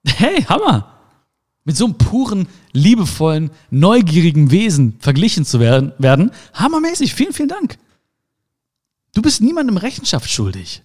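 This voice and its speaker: A man's voice: high-pitched, huge pitch swings, normal speed, a little mellow, slightly rough. A man giving a motivational talk in an emphatic way, repeating his key phrases. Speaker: motivational speaker.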